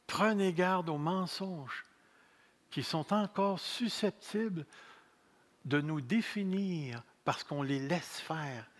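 A man in his sixties preaches with a Québécois accent, his voice sitting a little high for a man. He takes his time, letting each phrase land slowly and repeating the key lines. Self-mocking humor runs through his sermon. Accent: Québécois French. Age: 60s. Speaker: pastor.

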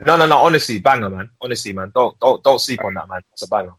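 A man's voice: mid-range voice, lively intonation, fast talker, fairly bright tone, slightly rough, no echo. A young man with a London roadman accent and slangy street delivery, chatting casually and repetitively as a music podcast host.

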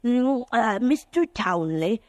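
Radio drama role: courteous, smug retribution man, fussy and hesitant, very animated pitch, dry close sound. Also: slow, dry recording, heavily acted. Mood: fussy, amiable. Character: polite, fussy, smug male agent of retribution. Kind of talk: old-time radio drama acting.

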